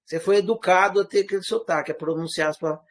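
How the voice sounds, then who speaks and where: A man with a Brazilian accent that is partly from Minas Gerais and partly rural caipira, giving an informal, animated lecture full of rhetorical questions. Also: high-pitched, rapid-fire. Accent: Brazilian Portuguese, part Minas Gerais, part rural caipira. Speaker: teacher.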